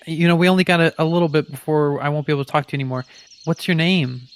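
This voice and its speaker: A man voicing a kindly, whimsical, confident ranger in a tabletop game, talking in a gentle, casual, reassuring way. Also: fairly high pitch, very fast, clean tone, natural voice.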